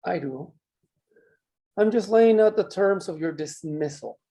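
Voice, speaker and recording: A man acting a menacing mine boss in a drama table read, speaking in measured, condescending threats. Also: sits high, expressive, mellow. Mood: cold, threatening. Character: menacing, controlling male mine boss, coolly cruel.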